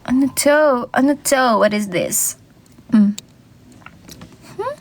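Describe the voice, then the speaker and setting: A woman's voice: on the high side, takes it slowly. A young Filipino woman chatting casually with viewers on a livestream, giggling and greeting people by name. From Philippines. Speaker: idol livestreamer. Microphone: phone.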